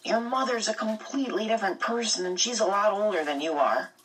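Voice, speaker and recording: A woman reading aloud, voicing a kind teenage boy who talks to a friend gently and reassuringly. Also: medium pitch, fairly quick, slightly rough, far from the mic, voice pushed up. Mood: gentle.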